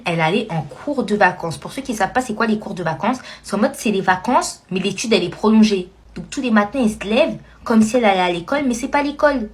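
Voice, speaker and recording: Animated slangy woman telling a story. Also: mid-range voice. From France. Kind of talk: casual comic storytelling.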